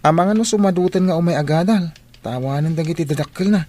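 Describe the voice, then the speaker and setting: A man's voice: a little high, quick pace, dark tone, lightly acted. A man playing a concerned teenage schoolboy friend in an audio drama, earnest and persuasive. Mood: urging. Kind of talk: Ilocano radio-style drama acting.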